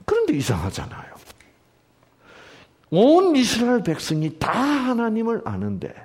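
A man's voice: very high-pitched, huge pitch swings, unhurried, darkish tone, breathy edge. A man preaching a sermon, asking the congregation questions and acting out quoted lines in shifting voices. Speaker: pastor.

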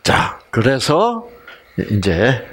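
A man's voice: mid-range voice, wildly swooping pitch, drawn-out words. A man preaching a sermon-style health lecture, quizzing the congregation and joking with dialect words. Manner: quizzes the audience with questions and plays with dialect words.

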